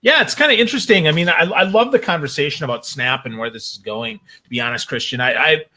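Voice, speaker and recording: Man, talk show guest, slightly high pitch, sharp bright tone, enthusiastic, folksy, casual chat. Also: expressive, fast talker.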